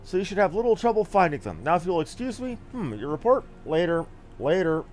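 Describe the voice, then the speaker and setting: A man's voice: sits high, sing-song, fairly quick, darkish tone, faint music behind. A man reading aloud a brusque, dismissive official from a video game, with a curt manner.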